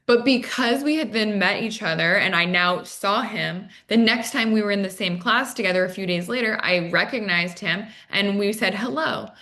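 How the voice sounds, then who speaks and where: A woman's voice: mid-range voice, normal speed, hardly any pauses, bright, forceful tone. A woman speaking as a coach and interview guest, explaining casually and acting out little quoted exchanges. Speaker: dating coach, podcast guest. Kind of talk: conversational advice and anecdotes.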